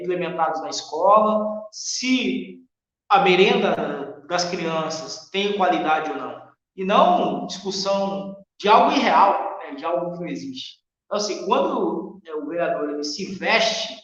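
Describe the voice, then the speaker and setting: A man's voice: sits high, fairly bright tone. A Brazilian man speaking as an interview guest in a podcast political discussion, earnest, opinionated and emphatic. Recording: very echoey, reverberant room, dull muffled sound.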